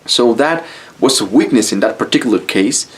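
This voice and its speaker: With lively intonation and a mid-range voice, a man talks at a moderate pace. Originally from Mexico, he speaks English as a second language with a Mexican Spanish accent. As a YouTube-style coach, he gives a frank, casual pep talk to camera, swearing freely.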